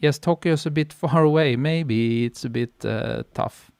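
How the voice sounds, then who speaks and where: A photographer hosting a live stream, chatting casually and reading out viewer comments, relaxed and quick to laugh, speaking into a podcast mic. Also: male voice, medium pitch, creaky, clean tone, no room sound. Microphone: podcast mic on a boom arm.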